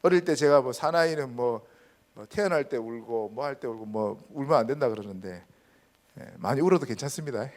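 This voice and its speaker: Lively Korean pastor preaching. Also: male voice, mid-range voice, fairly quick. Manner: emphatic preaching, rhetorical questions to the congregation. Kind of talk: sermon. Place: church sanctuary.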